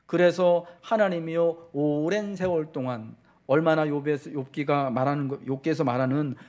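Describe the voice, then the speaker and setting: A male pastor delivering a Sunday sermon, talking straight to the congregation with repeated questions and swelling, slowed-down emphasis on key words. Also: a little high, a little mellow. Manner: fervent preaching that slows and swells for emphasis.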